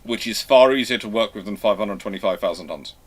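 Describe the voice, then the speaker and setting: Man explaining in halting, emphatic bursts. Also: on the low side, husky. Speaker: host answering viewer questions. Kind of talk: live question-and-answer talk on naval history.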